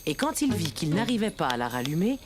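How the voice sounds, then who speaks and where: Brief: female narrator for a kids' cartoon dub, lower voice, animated melody. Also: a little fast. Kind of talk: storybook narration for young children.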